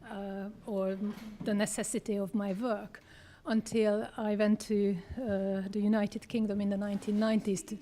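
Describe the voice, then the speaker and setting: A woman from Hungary, presenting her book as a dramaturg in a measured public talk with frequent hesitations, holding a microphone. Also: mid-range voice, flat delivery, mellow. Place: theater event space. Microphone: handheld microphone.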